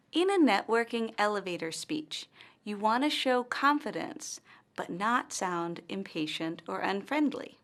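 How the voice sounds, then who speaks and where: A woman narrating a scripted language lesson, speaking slowly and carefully with clearly marked stress and pauses. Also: mid-range voice, fairly bright tone. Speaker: language teacher.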